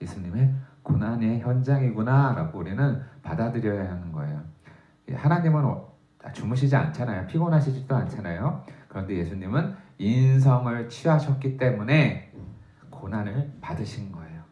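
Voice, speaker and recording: A man's voice: on the low side, animated, moderate pace, mellow, roomy sound, muffled recording. A man, a pastor, giving a dawn prayer sermon in a conversational way, reading scripture aloud with raised emphasis. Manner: conversational preaching with frequent "예" fillers.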